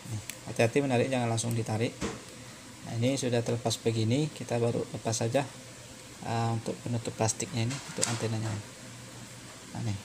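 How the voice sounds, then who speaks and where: A man's voice: medium pitch, gravelly. A man giving an informal hands-on repair tutorial, explaining step by step in a hesitant, repetitive way. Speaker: phone repair tutorial presenter. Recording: noisy home-made recording.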